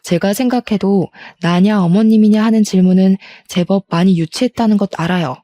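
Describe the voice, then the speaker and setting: A woman's voice: mid-range voice, fairly quick, mellow, no echo, faint music behind. A young woman telling her own story in the first person, in a confiding and aggrieved way.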